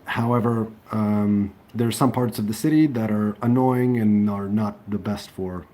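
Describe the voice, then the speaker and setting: A Serbian man whose first language is Serbian hosts a livestream, chatting casually and reading comments. His voice is slow, mellow and fairly low, and he sounds hesitant, with many ums and restarts.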